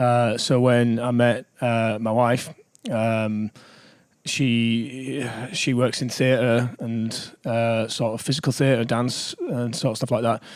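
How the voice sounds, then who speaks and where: Very slow pace from a man with a strong Yorkshire accent, medium pitch and monotone, flat intonation. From Yorkshire, northern England. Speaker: musician. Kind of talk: casual chat.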